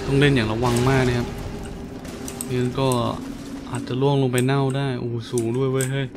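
A man giving casual let's-play commentary in an animated, exclamatory way, with playful muttering. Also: medium pitch, fairly quick, noisy background. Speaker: gameplay commentator. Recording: game music behind the voice. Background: video game music.

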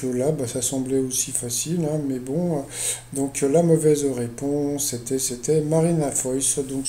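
A man's voice: on the high side, dark tone, reverberant, a little hiss or hum. A man casually recapping a TV quiz show, rambling with lots of fillers and restarts and chatty asides.

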